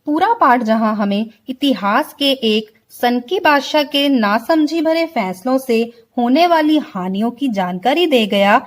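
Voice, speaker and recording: A woman teacher giving a slow online vocabulary lesson to children, explaining words one by one and often checking that they understand. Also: high voice, animated. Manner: slow, explains word by word, keeps asking if clear. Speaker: school Hindi teacher.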